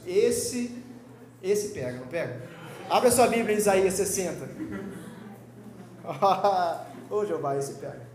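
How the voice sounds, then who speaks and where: A young man with a Brazilian Portuguese accent teaching a Sunday school sermon in a lively, joking, conversational way. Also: sits high, slow pace, pauses often, reverberant. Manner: lively, joking, conversational preaching with quoted voices. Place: church hall.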